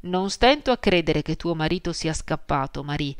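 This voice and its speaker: A coarse middle-aged man with a sneering, dismissive edge, read by a woman narrator. The voice sits low and close, with a dry, plain studio sound. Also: animated, moderate pace, smooth, no room sound. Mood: mocking.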